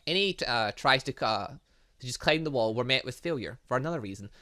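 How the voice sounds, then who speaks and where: A man giving animated let's play commentary on a video game, reading dialogue aloud and adding sarcastic asides. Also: mid-range voice, brisk. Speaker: gaming channel host.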